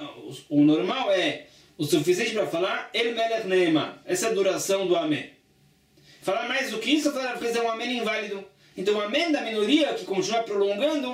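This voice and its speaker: Guy teaching talmud line by line, voice on the high side, kinda far from the mic. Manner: reads a phrase then explains it step by step. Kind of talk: reading Aramaic text and explaining in Portuguese. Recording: echoey room, voice from a distance.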